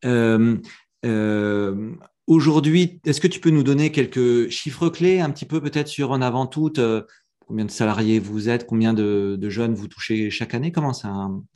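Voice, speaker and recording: A man with a dark, mellow tone at medium pitch, lively intonation and a fairly slow pace, over a quiet background. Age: 40s. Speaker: podcast host. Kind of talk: interview. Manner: halting.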